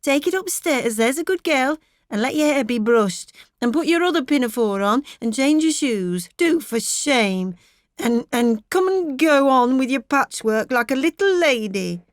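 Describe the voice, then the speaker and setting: Woman narrator as dull-witted mother, fretful, coaxing, complaining, lifted pitch, dry close storybook recording. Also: animated, a little slow, no room sound. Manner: fretful, plaintive scolding.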